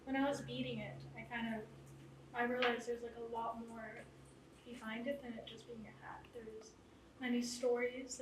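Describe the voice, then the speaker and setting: A quiet-voiced young woman from Ontario, a beading artist, speaking shyly and hesitantly to a group, with many fillers. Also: fairly high pitch. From Ontario, Canada. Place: indoor exhibit hall. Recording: echoey room, distant, with background noise.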